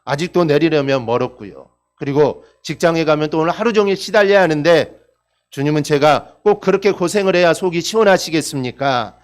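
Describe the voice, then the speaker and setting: A man's voice: fairly high pitch, fairly quick, close to an everyday voice. A male pastor voicing a tired middle-aged deacon who complains and pleads in a sermon story. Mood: grumbling.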